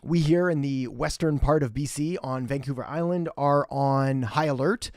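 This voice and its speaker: A young man hosts a chatty, direct live marketing Q&A from his home in western Canada, greeting viewers by name and dispensing blunt advice. His mid-range voice has a darkish tone and a moderate pace. The studio sound is clean and free of echo.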